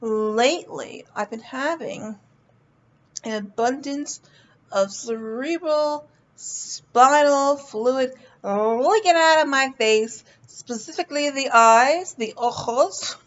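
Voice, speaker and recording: A woman with a high voice talks in a casual, rambling vlog style. She is playful and blunt, swears freely, and often stalls and repeats words while finding her thought. The recording is a little dull and lo-fi. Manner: halting, repeats words while searching for them. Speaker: vlog host. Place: indoors, lying in a hospital bed with a fan running.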